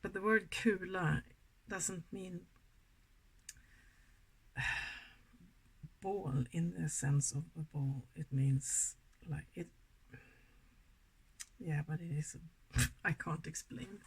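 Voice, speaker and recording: Soft, gravelly Swedish-accented woman. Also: on the low side, takes it slowly, long pauses, low-quality recording. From Sweden. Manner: soft-spoken, giggly, often drops to a whisper. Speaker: makeup vlogger. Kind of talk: casual makeup tutorial chat.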